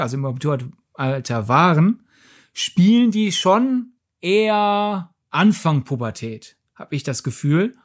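A podcast co-host of medium pitch in a casual film discussion, talking in a rambling, analytical way. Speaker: podcast co-host reviewing films.

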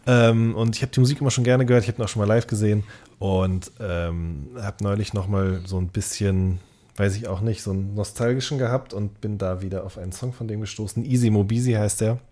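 Low-voiced man chatting casually. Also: brisk, mellow. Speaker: podcast co-host. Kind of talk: casual chat.

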